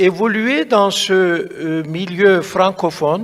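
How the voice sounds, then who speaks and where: Speaking very slowly in a Turkish accent, a man uses a high pitch with ordinary pitch variation. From Turkey, Istanbul. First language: Turkish (speaking French). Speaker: writer. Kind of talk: public talk with consecutive interpretation. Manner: halting, in short segments.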